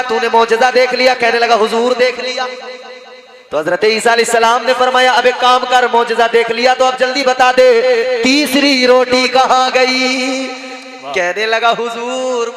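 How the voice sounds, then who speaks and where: Before a live crowd at a religious gathering, an Islamic preacher tells a religious story with dramatic voiced dialogue and humorous asides. His voice is very high and a bit bright, and the crowd can be heard in the background.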